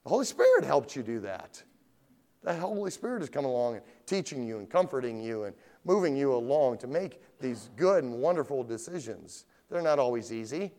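A middle-aged man preaching an evening sermon in a conversational, animated way, putting question after question to his congregation. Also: medium pitch. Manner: asks the congregation direct questions. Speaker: pastor.

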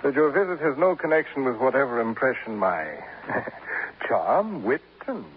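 Fussy, pompous poet; lively, ornate delivery; thin, hissy vintage radio sound. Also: male voice, mid-range voice, unhurried. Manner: grandiloquent, formal, addresses others as sir. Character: pompous, florid male poet, self-admiring and fussy. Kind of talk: 1950s radio drama acting. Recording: tinny, hissy old radio broadcast.

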